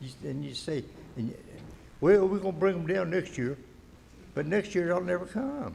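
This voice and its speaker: A man with a Southern US accent speaks in a high voice with lively intonation. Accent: Southern American. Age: 80s+. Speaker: citizen speaking at public comment. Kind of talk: public comment complaint. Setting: county board meeting.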